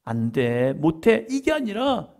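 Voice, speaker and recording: A middle-aged man preaching a sermon as pastor, acting out dialogue with sudden loud, emphatic rises. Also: on the high side, wildly swooping pitch, takes it slowly, creaky.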